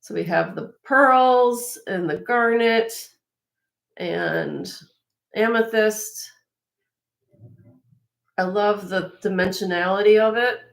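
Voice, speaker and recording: A woman with a slightly raspy voice hosting a live jewelry sale, chatting casually and admiringly as she shows each piece, with frequent fillers and restarts. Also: medium pitch, slow, long pauses. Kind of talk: casual show-and-tell product presentation.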